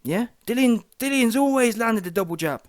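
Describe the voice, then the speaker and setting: A man's voice: extremely high pitch, animated, normal speed, no echo, studio quality. A man with a London accent giving an informal, opinionated boxing reaction, slangy and emphatic, repeating his points for effect.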